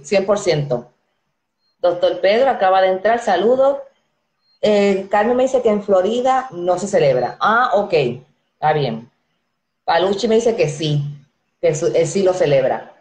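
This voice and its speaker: A Dominican woman in her thirties hosts a casual live stream from a small indoor room, reading viewer comments and names aloud in a friendly, chatty way and laughing easily. Her Dominican Spanish-accented voice is mid-range, animated and a little mellow at a moderate pace, picked up by an earphone headset mic in an echoey room.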